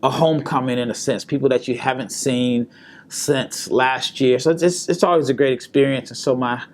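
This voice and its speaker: A man hosting a solo basketball podcast, his voice a little hoarse from a sore throat, talking casually and restarting his words often. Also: medium pitch, steady tone, normal speed. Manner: conversational, repeats words and restarts. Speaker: podcast host and basketball scout. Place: hotel room or indoor spot in Las Vegas.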